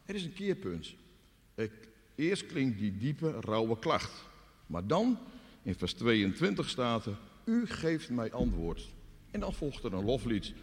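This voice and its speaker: A man preaching a sermon in an earnest, dramatic way, dropping quiet and then crying out. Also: very animated, measured pace, in a large hall. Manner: earnest, dramatic, with deep quiet drops and sudden cries.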